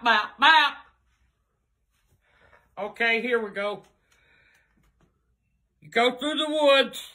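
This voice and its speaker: A man voicing a foul-mouthed, angry old grandmother who curses and shouts Spanish exclamations in a comedy sketch. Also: extremely high pitch, exaggerated voice.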